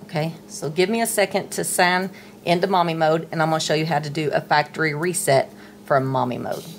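Brief: middle-aged woman, low voice, patient tutorial host narrating hands-on steps, faint hiss. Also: steady tone, fairly quick. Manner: patient, chatty, talks while handling the device. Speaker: tech tutorial presenter. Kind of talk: casual step-by-step tutorial. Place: indoors at a table, dim room.

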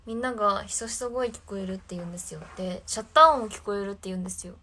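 A woman's voice: mid-range voice, racing, sharp tone, a little hiss or hum. A young woman, chatting casually on a live stream alone in her room and reacting to viewer comments. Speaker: idol livestreamer.

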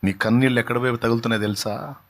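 A male pastor preaching a sermon with impassioned delivery, swinging from hushed to loud and pressing questions on the listener. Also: medium pitch, steady tone, racing. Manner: speaks directly to each listener, pressing questions.

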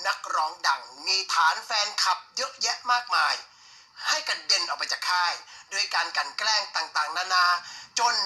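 A man presenting a story in a broadcast style, delivering it deliberately in short, pointed phrases. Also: high-pitched, bright, forceful tone.

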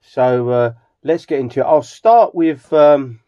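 A middle-aged man with an English accent gives a casual, rambling vlog narration in a halting, hesitant manner. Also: medium pitch. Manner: halting, hesitant, with frequent throat clearing. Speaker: hobbyist video host. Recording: slightly dull home recording.

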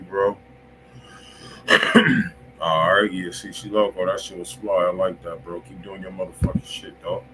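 A man's voice: low-pitched, fairly bright tone. A man with an American accent hosting a music review livestream in casual, slangy, profane talk, often thinking aloud in a laid-back way. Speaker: host of a live music review stream. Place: small room indoors. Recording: noisy home livestream microphone.

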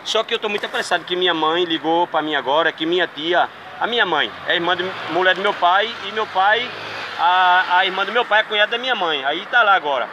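A man hosting a street prank video, talking quickly and insistently as he presses strangers. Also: high voice, muffled recording. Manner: insistent, pleading, fast-talking. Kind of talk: street prank, persuasive chatter. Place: outdoors on a city street. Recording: street noise from passing cars. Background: traffic noise.

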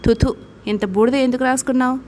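A woman's voice: high voice, steady tone, quick pace, a little hiss or hum, lightly acted. A woman reading the lines of an affectionate, teasing young woman in an audiobook. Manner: gentle, teasing.

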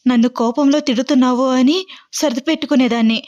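A woman's voice: high-pitched, fairly quick, a little mellow, lightly acted. A woman voicing a mischievous young woman who fakes tearful heartbreak on a prank call. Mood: melodramatic. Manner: melodramatic, teasing, tearful. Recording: dull lo-fi audio.

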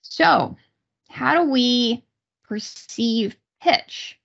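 A woman giving an explanatory online lecture, speaking haltingly with pauses mid-sentence over a video call. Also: fairly high pitch, lively intonation, creaky, fairly bright tone, husky, dull audio. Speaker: university psychology lecturer. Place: small room indoors, on a video call.

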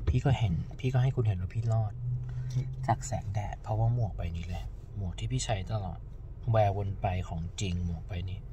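A man hosting a casual vlog from inside a moving car, playfully mixing Thai and English and quizzing a friend on English words. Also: fairly low pitch. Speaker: vlogger teaching English. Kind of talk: casual bilingual vlog chat. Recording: clear road noise from a car.

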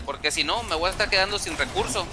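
A man chatting casually while playing a game, often restarting sentences and trailing off on drawn-out fillers. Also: sits high, animated, over music. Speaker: gamer streaming gameplay. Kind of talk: casual gameplay chat.

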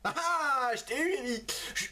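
A man's voice: very high-pitched, moderate pace, sharp tone. A man hosting a gaming video in casual commentary, laughing often and exclaiming while he types to a chatbot at his computer. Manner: giggly, exclaiming, talking to a chatbot.

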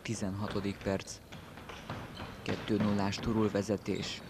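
A man's voice: fairly low pitch, monotone. A man giving terse play-by-play commentary on indoor football, clipping out players' names. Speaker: match commentator. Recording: loud sports-hall noise, bouncing ball.

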